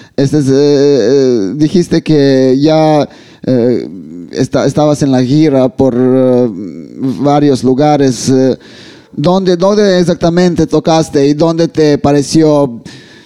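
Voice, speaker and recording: A man speaks very slowly in a dark, mellow tone, his pitch fairly high with ordinary variation. His loudness stays very even. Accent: Serbian. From Serbia. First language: Serbian (speaking Spanish). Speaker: podcast host and music promoter. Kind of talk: casual interview chat. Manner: halting.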